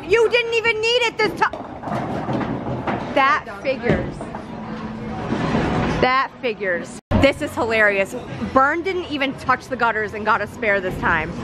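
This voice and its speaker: A woman with a high voice narrates a bowling game into her handheld camera, chatty and teasing. Loud crowd chatter and clattering alley noise fill the background. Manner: chatty, playful, narrating the game as she plays. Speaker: vlogger. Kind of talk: casual vlog commentary. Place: busy bowling alley, indoors.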